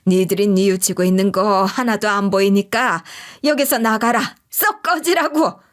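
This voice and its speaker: A woman's voice: mid-range voice, measured pace, natural voice. A woman voicing a furious older mother-in-law in an audio story, scolding and blunt. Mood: furious, scornful.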